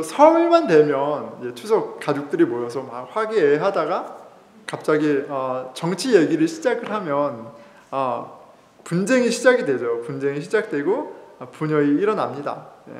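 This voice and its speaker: A man's voice: on the high side, very animated, moderate pace. A male pastor giving a sermon in a church, telling stories in a conversational way with fillers and chuckles. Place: church sanctuary. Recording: echoey hall reverb.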